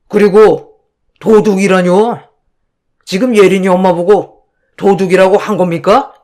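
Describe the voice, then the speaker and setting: A woman's voice: mid-range voice, natural voice. A woman voicing a stern young husband who scolds his sister-in-law for insulting his wife.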